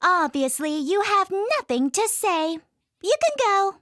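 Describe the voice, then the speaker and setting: A woman's voice: extremely high pitch, expressive, a little slow, fairly bright tone, no echo, studio quality, full character voice. A woman voicing a haughty young princess, aloof and dismissive, in a children's storybook tale. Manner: aloof, curt.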